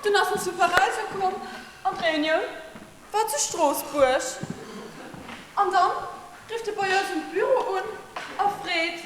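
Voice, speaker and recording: A woman's voice: very high-pitched, unhurried, long pauses, a bit bright, heavy reverb, big-room sound. A woman with a Luxembourgish accent, acting a cheeky office worker who mocks her boss in a live cabaret sketch. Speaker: cabaret actor. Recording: distant stage recording with hiss.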